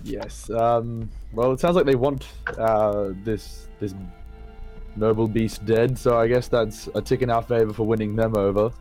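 A man's voice: lowish voice, steady tone, measured pace, a little mellow, faint music behind. A man role-playing in a tabletop game, speaking in a polite, wordy and hesitant way. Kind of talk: in-character tabletop role-play and casual chat.

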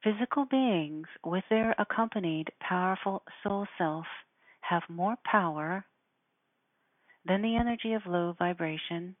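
A woman speaking in a measured, deliberate way, giving spiritual instruction and guided meditation. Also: fairly low pitch, no echo. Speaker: spiritual teacher guiding listeners. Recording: narrow phone-like sound.

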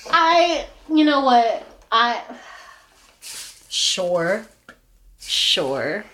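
A young woman hosting a podcast, a stand-up comedian trading deadpan jokes in casual chat. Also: fairly high pitch, extremely slow, rough recording. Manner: playful, deadpan jokes, frequent laughs.

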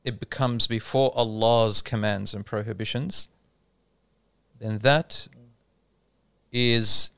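Male Islamic speaker in a relaxed chat, explains patiently with anecdotes, gravelly and resonant, dry recording. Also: lowish voice, slow pace, pauses often, no room sound. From Australia. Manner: explains patiently, tells anecdotes, mixes in Arabic terms. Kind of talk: casual religious discussion.

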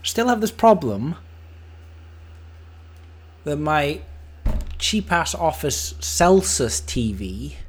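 A man's voice: fairly high pitch, very animated, drawn-out words, pauses often, husky. A man giving an unscripted, casual podcast monologue as host, rambling and interrupting himself, talking over a fan in a home office. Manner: rambling, self-interrupting, mildly sweary. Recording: voice over fan noise, faint music. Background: fan running nearby, television on.

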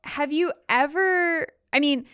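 A woman's voice: high-pitched, slow pace, a bit bright, no echo, studio quality. A woman interviewing a guest, asking engaged, reflective follow-up questions. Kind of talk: conversational interview.

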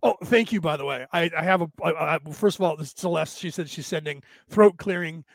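A man with a raspy, tired, worn-out voice, talking casually and haltingly as he hosts a rambling livestream and answers listeners. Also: fairly high pitch, no echo. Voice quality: raspy, damaged-sounding voice from long-standing vocal cord trouble. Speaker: host of a spiritual talk livestream.

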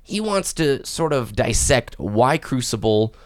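A man's voice: mid-range voice, sing-song, measured pace, no room sound. Chatty male gaming podcast host, dry sound. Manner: chatty, reads listener posts aloud. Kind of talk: casual gaming podcast chat.

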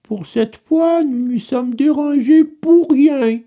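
A woman's voice: high-pitched, slow, dark tone. A woman playing a big, solemn black rabbit who bears coffins in an audio storybook, with menace and heavy reverb. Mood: grumbling.

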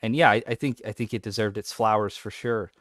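A man's voice: fairly low pitch, brisk, dry recording, studio quality. A man co-hosting a podcast in casual chat, talking with growing enthusiasm. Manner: enthusiastic, animated when excited. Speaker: podcast co-host.

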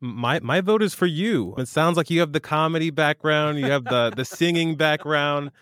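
A man's voice: fairly high pitch, normal speed, a bit bright, clean tone, no echo, studio quality. A man co-hosting an interview who keeps it friendly, laughs often and asks questions. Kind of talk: casual chat.

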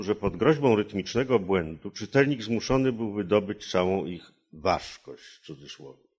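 A man, a literary translator, reading his own translation aloud in a measured, careful way and commenting on it. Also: low-pitched.

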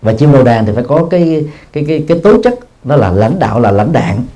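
Mellow-voiced monk giving a dharma talk. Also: male voice, mid-range voice, expressive. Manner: explanatory, peppers phrases with a drawn-out filler, chuckles at himself. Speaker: Buddhist monk teacher. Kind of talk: dharma talk answering questions. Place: Buddhist practice hall in Japan.

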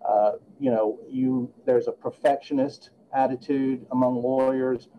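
A man's voice: mid-range voice, little pitch movement, unhurried, lo-fi sound, slight background noise. A man in his late fifties, a guest attorney talking earnestly and reflectively in a podcast interview. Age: 50s.

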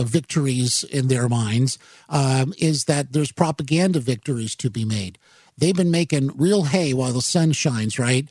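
Halting, rambling talk radio host, a man. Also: on the high side, a little mellow, no room sound. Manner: rambling, halting, with many fillers and self-corrections. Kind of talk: talk radio commentary and listener questions. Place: radio studio.

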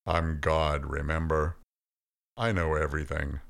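A man's voice: extremely low pitch, level tone, a little slow, vocal fry, heavily acted. A man voicing a patient, fatherly God. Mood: calm. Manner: earnest, pleading, gently firm. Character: patient, compassionate male God, fatherly and firm. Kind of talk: storybook reading.

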